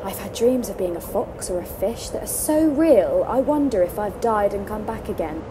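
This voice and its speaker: A woman playing a kindly, reflective, gently stubborn veteran Arctic scientist in an audio drama. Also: mid-range voice, animated, moderate pace, natural voice. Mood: wistful. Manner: motherly, reflective, reassuring. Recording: noisy stormy outdoor ambience.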